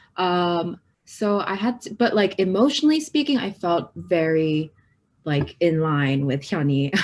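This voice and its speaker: Speaking with a Korean accent, a woman has a fairly low pitch and lively intonation at a fairly slow pace. The recording is very clean, with a silent background. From South Korea. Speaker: actor. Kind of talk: interview.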